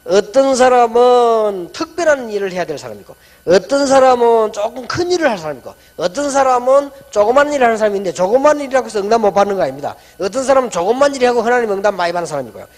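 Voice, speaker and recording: A middle-aged man preaches a sermon, telling stories in a lively way. His voice sits high and leaps all over the place. A long reverb from the church hall trails each phrase. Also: quick pace. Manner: animated storytelling, drops soft and low when quoting. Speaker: pastor.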